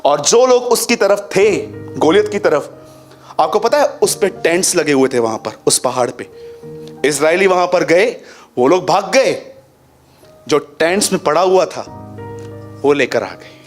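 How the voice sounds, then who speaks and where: Soft music plays behind a man preaching as pastor, who keeps asking the congregation rhetorical questions and works English phrases into his speech. His voice swings between raised and low, animated yet measured, with frequent pauses.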